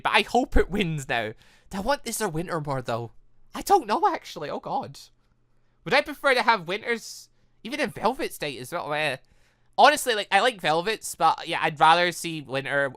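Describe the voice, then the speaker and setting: Animated, bright-voiced gaming video host. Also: mid-range voice, no echo, studio quality. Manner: rambling, thinking aloud, self-correcting. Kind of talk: casual, excitable game commentary.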